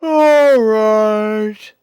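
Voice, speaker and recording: Guy doing sleepy college dude, real slow n drawn out, reluctant, fan story, dry recording. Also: high-pitched, a little mellow, clean tone, no echo, voice pushed up. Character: laid-back, sleepy young male college student. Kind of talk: fan fiction audio reading.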